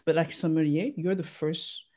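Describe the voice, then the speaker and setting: Chatty interviewer, mid pitch voice, casual back and forth, laughs along. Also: fairly even intonation, normal speed, warm tone, slight background noise.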